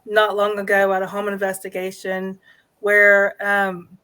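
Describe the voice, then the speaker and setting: A woman telling a personal story as an interview guest, speaking in a halting, tentative way. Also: medium pitch, completely flat delivery, pushed and bright, clean tone. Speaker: guest, new paranormal investigator.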